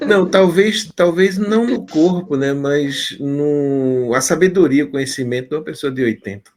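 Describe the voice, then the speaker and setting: A man's voice: on the high side, moderate pace, darkish tone. A man, interviewing a guest and summing up her points attentively. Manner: attentive, sums up the guest's points with short affirmations. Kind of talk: casual conversational interview.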